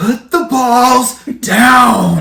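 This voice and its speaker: The voice is a put-on character voice with a fairly high pitch. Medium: solo performance. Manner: heavy, sighing breaths.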